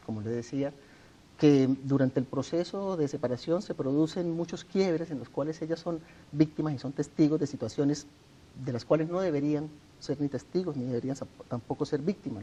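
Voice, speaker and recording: A middle-aged Colombian man speaks in a very dark, mellow voice, measured and earnest as a TV interview guest. The sound is a little dull and lo-fi, like an older broadcast capture. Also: on the high side, slight background noise. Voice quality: measured, earnest, formal address. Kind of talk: sit-down TV interview.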